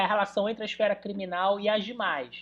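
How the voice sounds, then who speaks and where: Here a woman is speaking. Her pitch is medium. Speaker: law lecturer. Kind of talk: online lecture. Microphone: poor internet connection.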